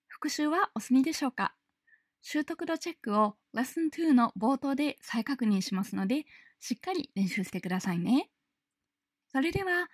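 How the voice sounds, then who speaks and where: A woman teaching pronunciation in a scripted lesson preview, clear and patient, drawing out sample sounds slowly and switching between Japanese and English. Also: sits high, no echo, studio quality.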